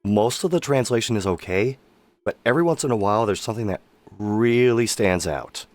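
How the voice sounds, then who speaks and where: A man's voice: lowish voice, expressive, brisk, a little mellow, no echo. A man giving casual live-stream game commentary, his voice worn from sickness and hours of streaming. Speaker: streamer, amateur voice actor.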